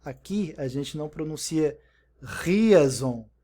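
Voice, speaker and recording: Guy giving a beginner english lesson in portuguese, kinda high voice, patient, keeps saying né. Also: animated, moderate pace, dark tone. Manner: explains step by step, repeats pronunciations, frequent "né?". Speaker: English teacher. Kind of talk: recorded online language lesson.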